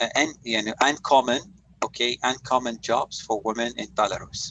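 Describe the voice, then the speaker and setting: At a moderate pace, a man with a medium-pitched voice talks with fairly even intonation. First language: Arabic. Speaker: English teacher. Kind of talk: online class discussion.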